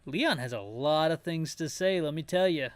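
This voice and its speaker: A man's voice: fairly high pitch, expressive, moderate pace, clean tone, no echo. A man giving casual, joking commentary on a game playthrough, with playful slangy asides as he reads dialogue aloud. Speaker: host of a video game playthrough with audio description.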